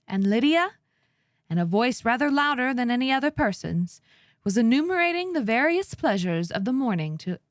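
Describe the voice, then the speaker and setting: A woman reading scripted narration as an audiobook narrator, in a measured, precisely enunciated way. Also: on the high side, no room sound, studio quality.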